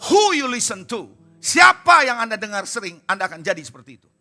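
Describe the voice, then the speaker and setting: A man preaching a sermon in a high, very bright and piercing voice. He presses his points hard and keeps firing rhetorical questions at the congregation. Soft music plays faintly behind him. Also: big pitch swings, fairly quick. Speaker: pastor. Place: church service.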